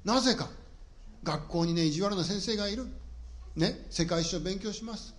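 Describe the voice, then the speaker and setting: A man's voice: high voice, moderate pace. A middle-aged man preaching a sermon, telling humorous stories about himself to the congregation. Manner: humorous personal storytelling to a congregation. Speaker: pastor.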